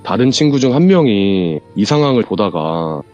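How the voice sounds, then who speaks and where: A man with a lowish voice tells a true ghost story as a radio show guest, his pitch rising and falling freely as he acts out what was said. The audio is a little dull, with faint music playing underneath. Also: normal speed. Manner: animated, acts out quoted lines from the story. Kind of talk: casual spoken storytelling on a horror radio show.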